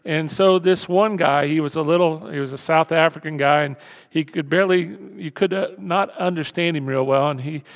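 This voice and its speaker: Pastor de voz rouca em salão com eco. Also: male voice, a little high, normal speed. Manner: animated, repetitive, swings from loud to hushed. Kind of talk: sermon. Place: church sanctuary. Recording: reverberant church hall.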